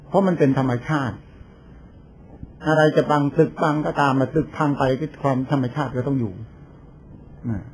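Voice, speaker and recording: A man's voice: medium pitch, darkish tone, a little hiss or hum. An older man, a Buddhist monk, giving an informal sermon in a chatty storytelling way, acting out other people's lines as he goes. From Thailand. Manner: chatty storytelling with laughs and quoted voices.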